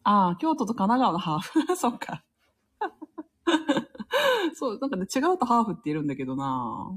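A woman's voice: a little high, huge pitch swings, normal speed. A woman hosting a casual live stream, chatting, laughing often and reading listener comments aloud.

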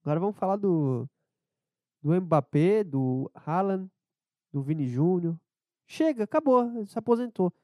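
A hungover man with a southern Brazilian accent hosts a casual solo podcast, sounding dispirited and bunged up with a cold. His voice sits a bit high for a man and is slightly mellow, in a very dry, close sound. He rambles irreverently in a low-energy way. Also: sing-song, unhurried, no room sound. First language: Portuguese. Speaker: podcast host and amateur comedian.

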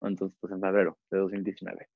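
A man's voice: low voice, completely flat delivery, fast, dry recording. A young man with a Mexican accent, hosting a podcast in a casual, rambling way with lots of fillers. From Zacatecas, Mexico. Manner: chatty, rambling with many fillers. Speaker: podcast host. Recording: dull, lo-fi.

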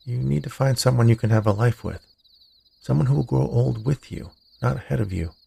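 A man voicing a gentle, self-sacrificing young man in love, in a narrated story, with a hesitant manner. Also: medium pitch, brisk, vocal fry, breathy edge, voice pushed up. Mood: resigned. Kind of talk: storybook character dialogue in narration.

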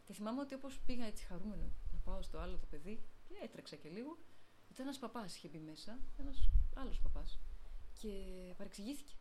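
A woman's voice: medium pitch, animated, darkish tone, slight background noise, poor audio. A middle-aged woman, an abbess, giving a spoken talk on faith through spontaneous personal anecdotes, voicing the people in her stories. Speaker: abbess of a convent, guest speaker.

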